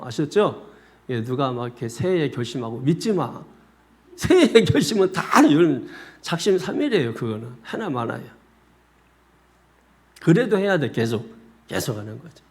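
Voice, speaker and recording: Lively, animated male pastor preaching. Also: on the high side. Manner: animated storyteller, often addressing the congregation directly. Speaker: senior pastor. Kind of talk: sermon with personal storytelling. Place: church sanctuary.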